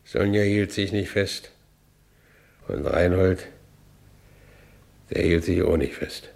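A man's voice: sits low, slow pace, creaky, darkish tone, full character voice. An actor playing a haunted working-class Berlin man who recounts his past bitterly in a radio drama, with a Berlin accent. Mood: haunted, brooding. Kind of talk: radio drama first-person narration.

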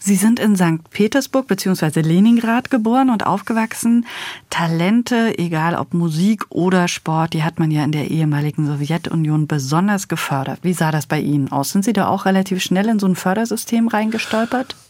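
Woman host, measured questions, dry studio. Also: fairly low pitch, darkish tone, no echo. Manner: measured, asking clear questions. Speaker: radio host. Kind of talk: radio interview.

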